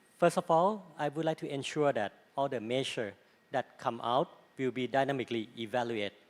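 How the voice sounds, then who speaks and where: Recorded very cleanly with a silent background and a dry, close sound with no echo, a man speaks at a fairly quick pace in an ordinary speaking voice, his medium pitch showing ordinary variation. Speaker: stock exchange executive. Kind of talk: panel discussion.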